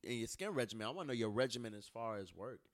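A man's voice: mid-range voice, animated, rapid-fire, dry recording, clean studio sound. A man co-hosting a casual chat, joking playfully and asking the guest questions. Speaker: co-host.

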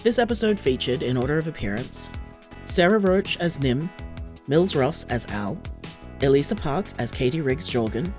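A woman's voice: low voice, animated, normal speed, a little mellow. A woman reading scripted end credits for an audio drama. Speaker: credits reader. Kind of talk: scripted credits read over music. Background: music.

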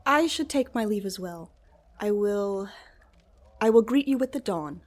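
A man's voice: high-pitched, expressive, unhurried, pitched above the performer's own voice. A man voicing a young noblewoman, formal, earnest and worried.

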